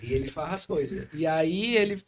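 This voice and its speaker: A man with a Brazilian accent from Espírito Santo, hosting a podcast in casual, animated chat full of slang fillers. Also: a little high, normal speed, crowd noise. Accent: Espírito Santo Brazilian Portuguese. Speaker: podcast host.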